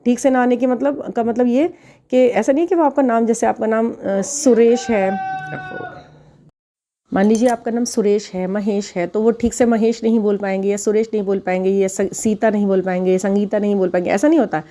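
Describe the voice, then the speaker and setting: A woman's voice: mid-range voice, steady tone, normal speed, dark tone, slight background noise. A woman who does readings, giving chatty relationship advice straight to her viewers, laughing now and then at her own examples. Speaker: spiritual relationship reader. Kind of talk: casual advice talk to viewers.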